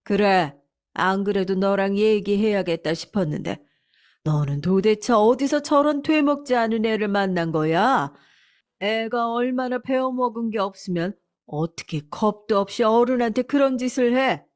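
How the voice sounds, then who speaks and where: A woman's voice: medium pitch, animated, normal speed, lightly acted. Casting: strict older mother-in-law, firm and scolding, storybook reading, by a woman. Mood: stern.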